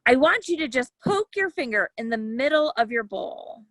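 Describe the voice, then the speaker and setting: High-pitched, animated woman teaching children. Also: moderate pace, dry recording. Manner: simple, explanatory talk addressed to young children. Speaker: science educator and presenter for children. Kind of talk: children's science lesson with read-aloud and demonstrations.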